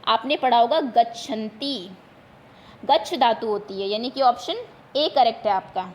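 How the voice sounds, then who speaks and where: Woman teacher, high voice, patient, explains each answer, faint hiss behind. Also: a little slow. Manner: patient, repeats each term in Hindi.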